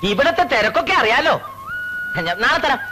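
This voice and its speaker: An actor playing a sly, gossiping village herbal healer who talks in a fawning, wheedling way. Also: male voice, extremely high pitch, expressive, fairly quick, noisy background.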